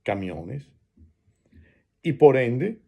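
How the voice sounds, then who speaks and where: A man from Venezuela with a Venezuelan Spanish accent, giving a reflective spoken essay and pausing often between phrases. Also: medium pitch, sing-song, gravelly, darkish tone.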